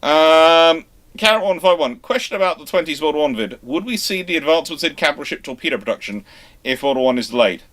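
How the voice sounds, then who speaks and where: A man hosting a livestream, chatting casually as he answers listener questions in an animated storytelling way. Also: on the high side, quick pace. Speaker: host of a naval history livestream.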